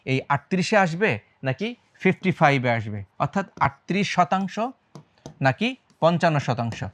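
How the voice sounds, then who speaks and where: A man with a Bangladeshi accent teaches public speaking, his voice sitting a little high. He throws quick questions at his listeners and plays with loudness and speed as he talks. English words slip in among his sentences. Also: sing-song. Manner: quizzes the audience, shifts loudness and speed on purpose. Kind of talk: lively talk to the audience.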